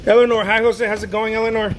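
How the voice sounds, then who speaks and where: With a high voice and level tone, this man from Mexico talks fast while livestreaming casually as an artist. He rambles, restarts frequently and reads viewer comments out loud, against noticeable background noise.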